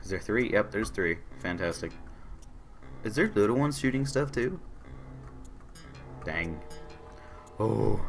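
A hoarse young man with a sore throat, casually commentating a game he is playing, reading on-screen messages aloud and answering them. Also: deep voice, a bit bright. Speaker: gaming channel host. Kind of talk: casual let's-play commentary.

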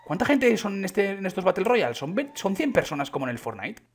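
A young man with a Spain Spanish accent giving casual, excitable commentary on his gameplay, chatting to his viewers and breaking into sudden shouts. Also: high voice, a little fast. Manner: chatty, addresses viewers as chicos. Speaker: gaming YouTuber.

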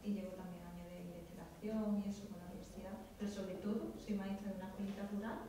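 A woman's voice: medium pitch, fairly even intonation, fast, mellow. Brief: chatty teacher, woman, heard from across a reverberant room with background noise. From Málaga, Spain. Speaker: rural schoolteacher. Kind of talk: self-introduction in a seminar. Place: seminar room, seated in a circle. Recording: echoey room from far off.

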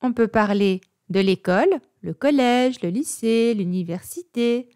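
Slow, clear woman teaching vocabulary. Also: fairly high pitch, darkish tone, dry recording, clean studio sound. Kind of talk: scripted lesson narration.

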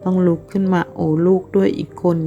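A woman narrating a romance audio novel in a steady, unhurried storytelling voice. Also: muffled recording, soft background music.

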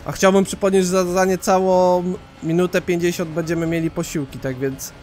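A man from Poland hosting a let's play, rambling excitably and swearing casually as he plays. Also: high-pitched, fairly quick, soft background music.

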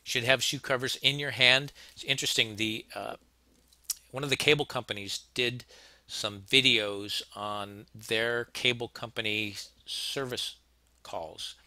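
A man's voice: mid-range voice, steady tone, unhurried, sharp tone, no echo. A man teaching an HVAC training course, talking casually over slides and often restarting his sentences. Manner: plain-spoken, conversational, frequent restarts and repeats. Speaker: HVAC instructor. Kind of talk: narrated slide lecture.

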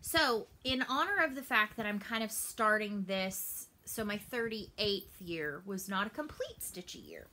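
Woman, late thirties, bright voice, chatty, rambling, home vlog, camera mic. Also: medium pitch, measured pace, few pauses, slight background noise. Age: 30s. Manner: chatty, rambling, animated hand gestures. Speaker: cross-stitch vlogger. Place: small home room, seated in armchair. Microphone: camera in front, upper-body framing.

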